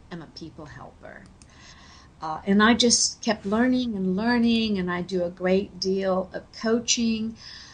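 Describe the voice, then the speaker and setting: Speaking with an American accent, a woman uses a medium pitch and sounds somewhat breathy. She goes at a fairly slow pace, with ordinary pitch variation and big swings in loudness. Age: 70s. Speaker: hypnosis and NLP trainer. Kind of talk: interview.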